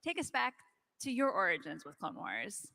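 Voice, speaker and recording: Bright, bubbly woman moderator. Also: medium pitch, very animated, normal speed, vocal fry. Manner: gushing, bubbly, chatty. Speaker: panel moderator. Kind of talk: hosting a live fan panel.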